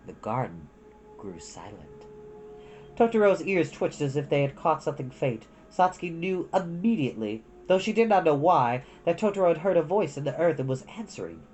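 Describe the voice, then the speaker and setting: A woman reading a children's story aloud as a host, with dramatic, unhurried delivery. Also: low-pitched, big pitch swings, a little mellow, soft background music, poor audio. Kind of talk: expressive children's storybook narration.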